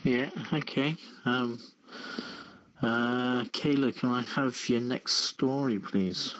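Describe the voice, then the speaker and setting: A man hosting a casual talk show, reading news and chatting in a halting, measured way. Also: medium pitch, a bit bright, muffled recording. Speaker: show host.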